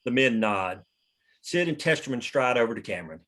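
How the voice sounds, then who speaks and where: A man's voice: mid-range voice, expressive, a little fast, a bit bright. A man reading stage directions as scripted narration at a table read.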